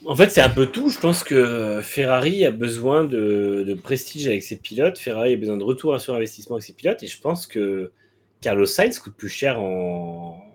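A man's voice: mid-range voice, expressive, moderate pace, darkish tone. A man co-hosting a motorsport talk show, giving frank, blunt opinions with many hesitant fillers. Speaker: motorsport podcast co-host. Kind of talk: casual opinionated chat.

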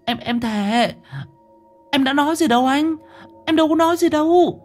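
A shrill, stammering young woman pleads her innocence in a spoken ghost story, put on by a man. Her voice climbs well above his own. She trips over her words as if close to tears. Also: moderate pace, darkish tone, faint music behind. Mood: pleading.

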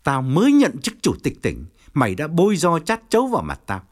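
A man's voice: wildly swooping pitch, moderate pace. A man voicing a domineering provincial chairman. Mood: furious. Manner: furious scolding, then lowered calculating tone. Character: angry middle-aged male provincial chairman, domineering. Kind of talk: audiobook character reading.

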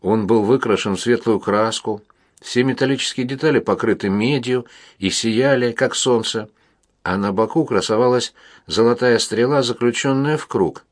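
Man reading a story aloud. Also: medium pitch. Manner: measured, gently ironic storytelling. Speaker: narrator. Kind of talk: audiobook reading.

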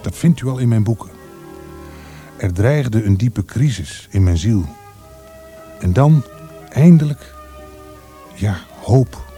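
A radio-play poet, speaking with solemn, possessive passion. His voice is dark and soft-edged, rising and falling dramatically over faint music. Every phrase is formal and full of yearning. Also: lowish voice, lively intonation, slow pace, long pauses. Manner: formal, solemn, fervent declamation. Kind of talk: Dutch radio drama acting.

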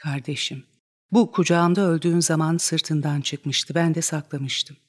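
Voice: medium pitch, steady tone, unhurried, close to an everyday voice. A reader voicing a desperate, lovesick young woman in a dramatic reading of a stage play, pleading and crying out in rising outbursts. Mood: mournful.

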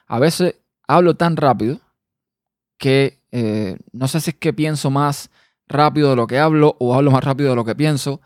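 A man's voice: medium pitch, a little mellow, no room sound. Cuban man hosting a dry, close podcast. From Cuba. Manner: quick talker who sometimes trips over words. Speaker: podcast host. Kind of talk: personal podcast monologue.

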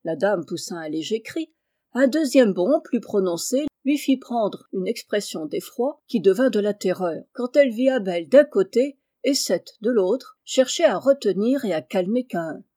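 A woman from France reading a classic novel aloud in a lively, expressive way. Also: mid-range voice, a little slow. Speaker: audiobook reader.

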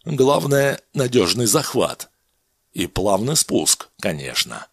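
A man voicing a cold, calm male doctor who speaks in measured, commanding phrases, with a husky voice, in a storybook reading. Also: fairly low pitch, dry recording, studio quality, exaggerated voice. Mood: matter-of-fact.

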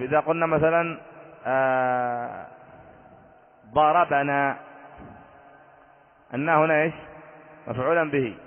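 Man teaching grammar, tinny and echoing. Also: medium pitch. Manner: quizzing students with questions, repeating each rule. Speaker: sheikh teaching Arabic grammar. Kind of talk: classroom grammar lesson. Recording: tinny phone-like audio in a long-reverb hall.

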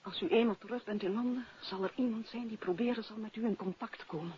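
A woman's voice: a little high, quick pace, warm tone, slight background noise, natural voice. An actress playing a frightened, secretive woman in a 1950s radio drama, speaking in a grave and insistent way. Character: frightened, secretive woman urgently warning a detective. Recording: dull old radio recording.

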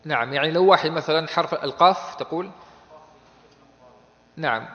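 Higher-voiced sheikh teaching in a reverberant hall. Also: male voice, brisk, sharp tone. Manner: asks questions and answers them himself; explains in plain conversational terms. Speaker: sheikh teaching a law text. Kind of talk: classroom lecture on Islamic law. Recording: dull audio with long hall reverb.

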